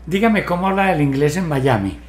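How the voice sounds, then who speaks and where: A man's voice: fairly high pitch, animated, fairly quick. Direct, questioning man on a roomy video call. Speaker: hypnotherapist. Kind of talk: online therapy session. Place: home study with bookshelves.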